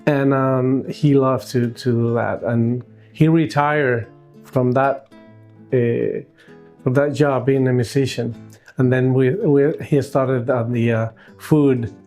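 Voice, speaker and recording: Cuban man, 60s, native Spanish speaker, mid-pitched, searching for words in a casual interview, faint music underneath. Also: fairly even intonation, slow, darkish tone. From Cuba. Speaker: food truck owner, interviewee.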